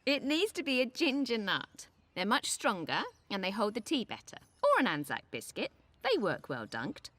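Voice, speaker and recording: A woman's voice: on the high side, huge pitch swings, moderate pace, hardly any pauses, fairly bright tone, dry recording, exaggerated voice. A woman playing a fussy, bossy but fond older wife in a cartoon, correcting people.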